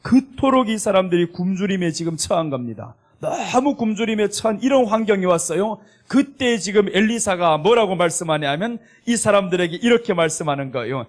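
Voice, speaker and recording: A man preaching a sermon at a Korean church, his voice sitting a little on the high side. He delivers it emphatically and acts out the scripture quotes in small voiced asides as he explains them. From South Korea. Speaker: pastor.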